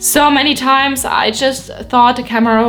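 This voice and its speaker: A woman with a German accent and fairly even intonation, over noticeable background noise. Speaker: online course creator, photographer. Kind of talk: vlog tutorial. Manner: casual with frequent fillers.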